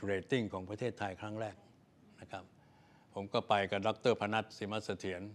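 In a fairly low voice, the man speaks with monotone, flat intonation. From Thailand. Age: 80s+. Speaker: retired senior finance official. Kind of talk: interview. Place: office. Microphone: lapel.

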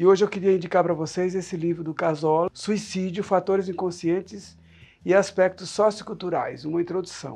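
A high-pitched man with a dark, mellow tone, flat monotone intonation and a fairly quick pace. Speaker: interview show host. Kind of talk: interview, host intro and questions. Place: home room.

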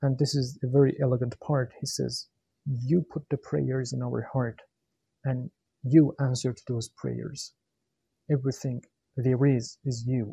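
A man with a Persian accent speaks at a fairly slow pace in a dark, mellow, somewhat breathy tone, with fairly even intonation and long, frequent pauses. The sound is dry with no echo. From Iran. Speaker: poetry interpreter. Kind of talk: lecture. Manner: halting. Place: home room.

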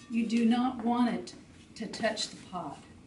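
A woman talks at a fairly slow pace. Light background noise and audible room echo are present. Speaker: pottery instructor. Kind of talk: tutorial. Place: workshop. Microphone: camera far.

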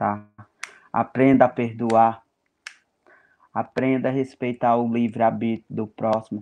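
A man speaks at a medium pitch in a flat monotone. He goes at a fairly slow pace with long, frequent pauses. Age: 30s. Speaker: spiritual speaker; speaker. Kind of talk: spiritual talk. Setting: livestream. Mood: calm, earnest, spiritual. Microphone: earbuds.

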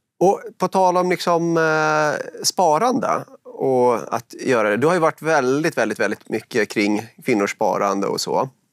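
At a fairly slow pace with hardly any pauses, a man's voice makes very wide pitch swings, recorded dry with no echo against a quiet background. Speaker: podcast host. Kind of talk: interview. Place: studio. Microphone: lapel.

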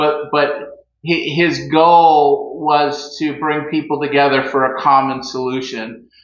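A man is speaking. The room echo is audible. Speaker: healthcare worker commenting on politics. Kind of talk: casual vlog commentary. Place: home room. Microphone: phone near.

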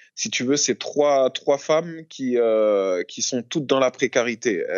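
Speaking at a very slow pace, the man has a medium pitch with ordinary pitch variation. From Bordeaux, France. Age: 30s. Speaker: logistics worker. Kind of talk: casual chat.

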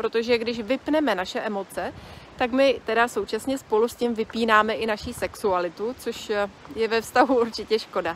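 A woman at a moderate pace with ordinary pitch variation, dry sound with no echo, and light background noise. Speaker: relationship coach. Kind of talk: advice talk to camera. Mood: warm, calm, smiling. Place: waterside. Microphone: lapel.

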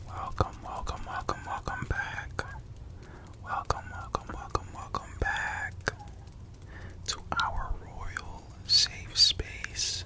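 A man whispers at a very slow pace. He leaves long pauses often. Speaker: ASMR artist. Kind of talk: ASMR role play, personal attention. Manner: whispered. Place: home room.

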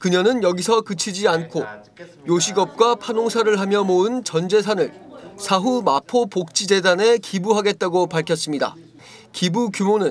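A man talks at a moderate pace with fairly even intonation. His pitch is high for a man. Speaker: news reporter. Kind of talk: TV news report narration.

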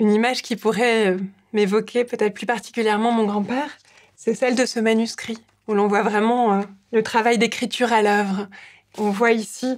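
A woman at a fairly slow pace, her intonation monotone and flat, against a quiet background. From France. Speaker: museum director. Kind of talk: personal testimony. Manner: halting, many hesitations. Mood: warm, reflective, smiling. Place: studio.

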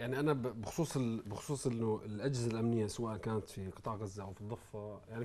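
A man talks at a fairly quick pace with ordinary pitch variation, with noticeable background noise behind him. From Palestine. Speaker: human rights researcher; talk show guest. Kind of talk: televised panel debate. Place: studio. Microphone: lapel.

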